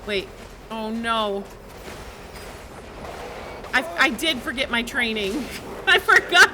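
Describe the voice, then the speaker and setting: A woman doing casual live gameplay commentary, playful, excitable and quick to react. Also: a little high, background noise. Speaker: game streamer. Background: game music.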